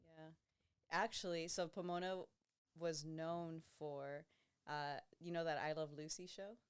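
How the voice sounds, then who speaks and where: Low-voiced Southern California Latina woman. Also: steady tone, a little slow, clean tone. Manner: laid-back, laughs often, slangy. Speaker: podcast guest. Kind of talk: casual podcast chat.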